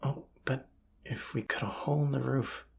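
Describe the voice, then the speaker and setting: A performer voicing a folksy, plain-spoken bandit leader in an audio roleplay, with a gravelly, husky voice and a conversational, wry manner. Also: mid-range voice, steady tone, normal speed, a little hiss or hum, natural voice. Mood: pondering, uncertain. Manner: folksy, conversational, hushed at times. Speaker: character voice actor. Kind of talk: immersive audio roleplay acting, addressing the listener.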